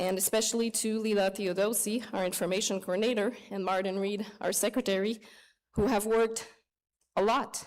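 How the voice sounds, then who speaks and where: A woman with a French accent, moderate pace and fairly even intonation, on a very clean recording with a silent background. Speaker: conference committee chair. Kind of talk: formal opening speech. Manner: formal.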